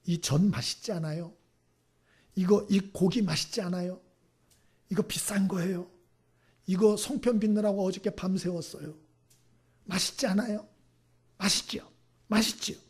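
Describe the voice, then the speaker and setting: A man's voice: fairly even intonation, normal speed, long pauses, a little mellow, slightly rough. A man voicing a middle-aged housewife who scolds her family for never thanking her for the holiday meal. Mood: coaxing. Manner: shrill, scolding complaint.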